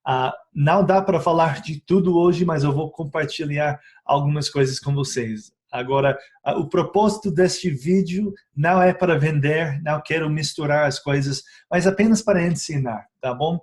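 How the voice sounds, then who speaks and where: A man speaking a learned second language in a casual teaching video about essential oils, pausing often on filler sounds, correcting himself and checking in with the viewer. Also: on the high side, darkish tone. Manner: hesitant, frequent filler sounds and tag questions.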